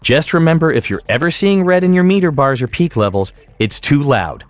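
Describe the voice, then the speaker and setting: A man narrating a scripted software tutorial as an instructor, in a measured, explanatory way. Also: fairly high pitch, animated, no echo.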